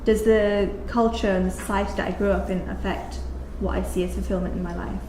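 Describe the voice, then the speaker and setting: A woman's voice: mid-range voice, steady tone, a little fast, dark tone. Lady running the q&a, asking and rephrasing questions, echoey room, noisy. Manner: questioning, clarifying. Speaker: moderator. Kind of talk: moderating a Q&A. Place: lecture room with audience. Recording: echoey room with background noise.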